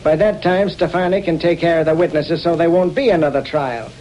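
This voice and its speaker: An actor playing a menacing male gangster who blackmails a judge with slow, insinuating threats. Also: fairly high pitch, a little mellow, slight background noise, natural voice, poor audio.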